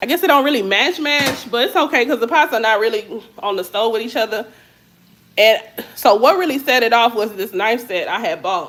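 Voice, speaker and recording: Lively intonation and an animated tone mark this woman's fairly high voice. She keeps a moderate pace. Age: 30s. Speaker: lifestyle vlogger. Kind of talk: casual chat while cooking.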